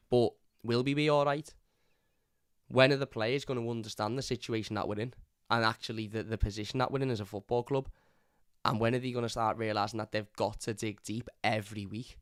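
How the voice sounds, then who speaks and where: A hoarse man, hosting a live fan review and ranting bluntly. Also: lowish voice, dry recording, clean studio sound. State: hoarse from lost voice. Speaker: fan channel host. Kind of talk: live stream match review.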